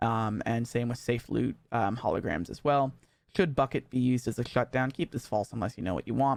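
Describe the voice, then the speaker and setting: The recording is dry and close, with no echo. A man with a normal speaking voice talks at a fairly quick pace, at medium pitch with ordinary pitch variation. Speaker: plugin developer and tutorial maker. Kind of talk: software tutorial.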